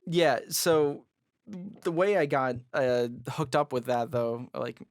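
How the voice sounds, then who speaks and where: A man with a raspy, somewhat high voice, chatting loosely as a podcast guest. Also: slow, dry recording, clean studio sound. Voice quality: raspy, higher voice. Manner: loose and jokey, lots of fillers. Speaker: guest musician. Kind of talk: casual podcast conversation.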